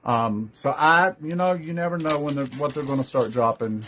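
A man's voice: fairly high pitch, normal speed, sharp tone, slight background noise. A man hosting a casual live-stream jewelry sale, chatty and upbeat, greeting viewers by name as he shows each piece.

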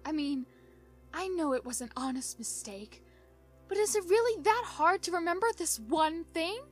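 A woman's voice: very high voice, expressive, normal speed, faint music behind. A woman playing a hurt, exasperated young mare pony wife, confiding dramatically in a fan fiction monologue. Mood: apologetic, confiding.

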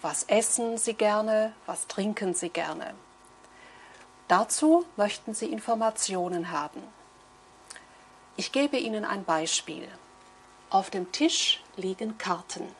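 Middle-aged lady running an oral exam, slow careful instructions, faint hum behind. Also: mid-range voice. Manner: clear, measured, explaining. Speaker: examiner. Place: indoor room.

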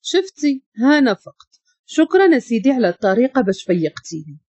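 A woman's voice: on the high side, big pitch swings, quick pace, darkish tone, no room sound. A woman with a Moroccan accent voicing a timid, poor young woman in a spoken story. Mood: pleading.

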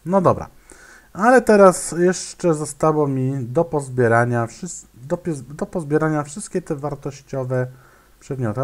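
Guy talking slow over his game, kinda high voice, mutters and goes pyk pyk while clicking. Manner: mutters to himself, makes clicking sounds while playing; hesitant, many fillers and restarts. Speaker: gameplay commentator. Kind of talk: casual gameplay commentary.

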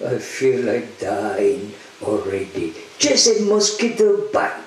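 An older man, a priest, giving an interpreted homily at a church lectern in slow, emphatic phrases. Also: on the low side, very animated. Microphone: lectern microphone. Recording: very echoey church hall.

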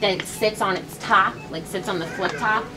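A woman's voice: medium pitch, normal speed. A young woman vlogging a trip through a grocery store, chatting politely and trailing off as she explains what she wants. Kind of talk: casual vlog narration and chat. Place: busy grocery store indoors. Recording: loud background noise.

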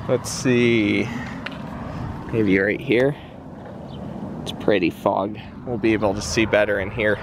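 A man's voice: on the low side, steady tone, slow pace, long pauses. A young man narrating a casual walkthrough as he explores an empty building, thinking aloud and guessing. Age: young adult. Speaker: exploration vlogger. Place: outdoors around an empty building. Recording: outdoor street and traffic noise. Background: passing cars and street ambience.

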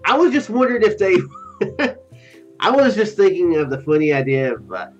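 Higher-pitched, animated man, musing game host. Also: normal speed. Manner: rambling, musing asides. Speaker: let's play host. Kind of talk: reading game text aloud with casual commentary. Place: small room at home. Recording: dull lo-fi audio with music behind. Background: game music.

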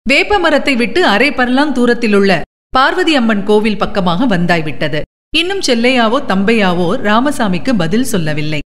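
A woman hosting a radio programme and reading out a short story in an expressive, animated way. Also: fairly high pitch, moderate pace. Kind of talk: scripted short story narration. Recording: long reverb on the voice.

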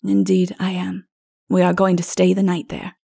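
A woman voicing a grave, stern king in a storybook, speaking in a measured, firm and solemn way. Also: on the low side, completely flat delivery, vocal fry, warm tone, breathy edge. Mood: grave, gentle. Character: grave, stern male king on a perilous journey.

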